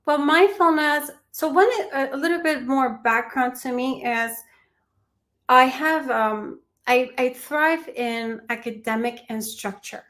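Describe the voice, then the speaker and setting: A woman's voice: high voice, a little slow, fairly bright tone. A young adult woman from Peru, a mindfulness teacher answering interview questions in an earnest, reflective way. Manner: earnest, reflective, with restarts and small laughs.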